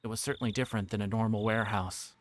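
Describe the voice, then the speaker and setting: On a livestream, a man narrates a visual novel very fast, giving characters their own voices and occasionally tripping over words. His voice sits on the low side and his tone stays steady. Clicks and clear background noise run through the recording.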